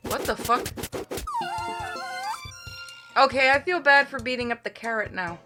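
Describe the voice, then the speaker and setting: A woman's voice: a little high, brisk, over music. A woman streaming a game casually, playful and informal, chatting and reading aloud. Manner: playful, informal, swears freely. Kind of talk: casual livestream chat and read-aloud game narration.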